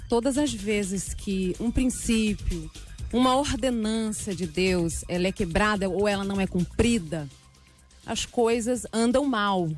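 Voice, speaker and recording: A woman on a radio panel giving religious commentary in a preacherly, explanatory way. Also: mid-range voice. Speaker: debate panelist, gospel singer. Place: dry radio studio.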